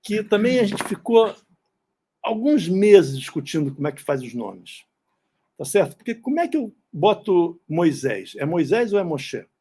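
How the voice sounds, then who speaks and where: A man's voice: high voice, sing-song, measured pace, dark tone, breathy edge. A middle-aged man from Brazil giving an informal classroom lecture in an auditorium, often checking in with tag questions. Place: synagogue auditorium.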